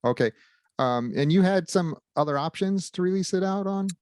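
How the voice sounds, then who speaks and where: A man's voice: high-pitched, lively intonation, moderate pace, darkish tone, smooth, dry recording, clean studio sound. A male podcast host asking short, casual interview questions. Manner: brief, with short backchannel replies.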